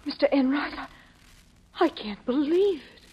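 An actress playing an anxious, bewildered wife in a 1950s radio drama. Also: female voice, sits high, lively intonation, a little slow. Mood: anxious, stunned. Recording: dull vintage 1950s radio recording.

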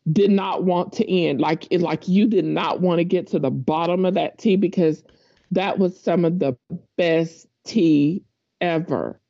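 Raspy low-voiced woman with a cold. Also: unhurried, mellow, no room sound. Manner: laughs often, affirms with mm-hmm. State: coming down with a cold. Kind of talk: casual chat. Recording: dull lo-fi sound.

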